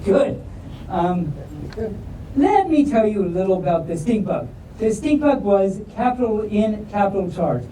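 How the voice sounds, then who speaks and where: A woman's voice: medium pitch, very animated, unhurried, warm tone. A woman reading a picture book aloud at a live event, theatrical and jokey, breaking off for playful asides. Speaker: storytime reader. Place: live convention room with audience. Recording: echoey room, distant mic, faint noise.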